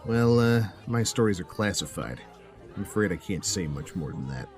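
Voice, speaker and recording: A slightly awkward police sergeant in an audio drama. His fairly low voice is dry and hesitant yet varied in pitch, with music clearly behind it. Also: expressive, normal speed, a little mellow. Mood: guarded.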